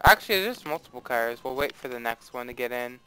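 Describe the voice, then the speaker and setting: A man's voice: mid-range voice, animated, fairly quick, pushed and bright, clear, resonant tone, no room sound, rough recording. A young man casually commenting on his own gameplay, rambling and playfully dramatic, with a desktop mic and faint background noise. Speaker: let's play host.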